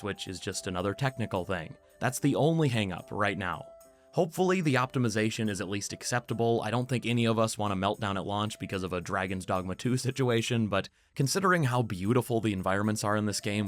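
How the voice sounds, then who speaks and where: A man who is sick and hoarse after losing his voice, giving an upbeat, chatty game preview as a YouTuber. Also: lowish voice. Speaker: gaming YouTuber. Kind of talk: casual game preview commentary.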